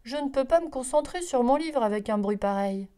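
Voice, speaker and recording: A woman's voice: high voice, lively intonation, brisk, warm tone, voice pushed up. A woman voicing a grumpy cow who grumbles about noise in a children's story. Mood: annoyed. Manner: grumbling, irritated. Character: grumpy cow reading a book.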